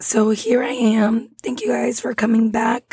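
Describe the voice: A woman whispers in a raspy voice that carries a husky, rough edge.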